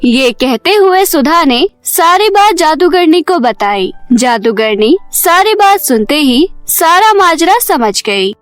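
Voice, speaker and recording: A woman narrating a scripted fairy tale in an expressive storybook manner. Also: sits high, takes it slowly, few pauses, soft background music.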